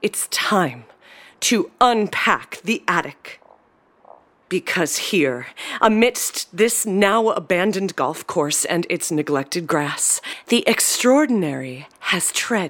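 Putting on a character voice, a woman speaks slowly with fairly low pitch, lively intonation and a fairly bright tone.

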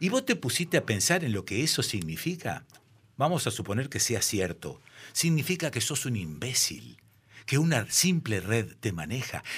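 On a very clean recording with a silent background, a man at medium pitch speaks at a moderate pace, using very wide pitch swings and some vocal fry. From Argentina, Rosario. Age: 60s. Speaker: radio broadcaster and journalist. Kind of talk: interview conversation.

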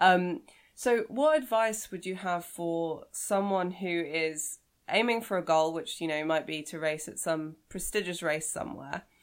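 The recording is very clean, with a silent background. A woman with a fairly low pitch speaks at a fairly slow pace, using ordinary pitch variation. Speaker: podcast host. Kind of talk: interview; scripted narration.

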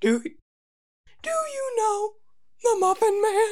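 A put-on character voice comes through shrill and squeaky at an extremely high pitch. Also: fairly slow pace. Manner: playful, silly.

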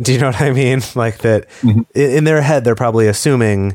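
In a normal speaking voice, a man talks at a fairly quick pace with ordinary pitch variation, and the sound is dry and close with no echo. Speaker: podcast host. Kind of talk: casual chat. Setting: video call.

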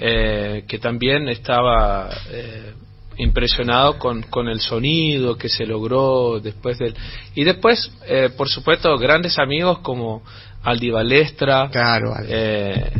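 A man at a medium pitch talks very slowly, with noticeable background noise around him. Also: ordinary pitch variation. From Netherlands. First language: Dutch (speaking Spanish). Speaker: singer and composer. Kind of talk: radio interview. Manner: halting.

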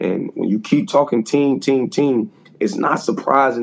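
A man with an American accent has a plain, everyday voice. His pitch is fairly high. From Chicago area, Illinois. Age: young. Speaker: basketball assistant coach, former player. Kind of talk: casual interview. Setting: phone call.

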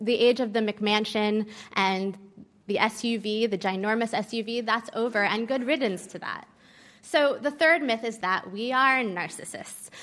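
Woman with a plain, everyday voice, fairly high in pitch and fairly slow in pace. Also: ordinary pitch variation. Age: 30s. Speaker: journalist and novelist. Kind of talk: formal debate. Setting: stage with audience.

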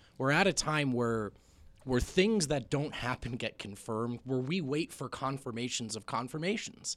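In an American accent, a man talks at a moderate pace with medium pitch and lively intonation, a plain, everyday voice on a very clean recording with a silent background. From New Jersey. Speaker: basketball reporter. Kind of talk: casual chat.

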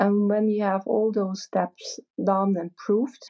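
A woman speaks at a fairly slow pace in a Swiss accent. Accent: non-Italian foreign accent, Swiss. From Switzerland, Zurich. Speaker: winery owner. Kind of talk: interview. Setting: live online audio room. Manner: hesitant with fillers.

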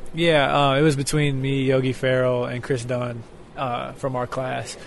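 Against noticeable background noise, a man with a medium pitch speaks in a monotone, flat intonation. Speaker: basketball player, draft pick. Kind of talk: casual interview. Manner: articulate, polished.

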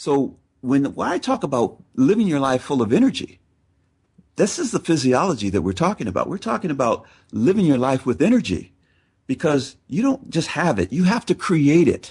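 A man's fairly high voice with vocal fry, very wide pitch swings and a moderate pace, set against a quiet background. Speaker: life coach and radio host. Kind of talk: motivational talk show monologue. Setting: radio studio. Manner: animated.

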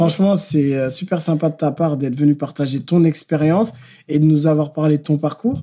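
At a moderate pace, a man speaks in a fairly high pitch. His tone is dark and mellow. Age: 30s. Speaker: podcast host, trained social educator. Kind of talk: interview.

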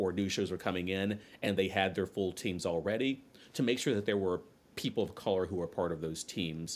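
A man with a very deep, low pitch and an American accent, fairly quick and fairly even in intonation, on a very clean recording with a silent background. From North Carolina. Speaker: Broadway performer. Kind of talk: interview.

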